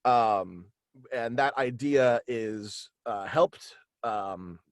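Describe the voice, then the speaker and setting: A man in his thirties casually explaining his creative work as an interview guest, in a halting, meandering way. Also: medium pitch, dry recording, clean studio sound. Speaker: guest, voice actor and writer. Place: small indoor home setup, video call.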